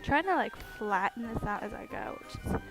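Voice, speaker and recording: A woman's voice: on the high side, big pitch swings, moderate pace, low-quality recording. A woman chatting casually on a live stream while she carves, with a groggy morning voice, giggling, rambling and humming to herself. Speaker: streamer carving pumpkins. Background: music playing in the background.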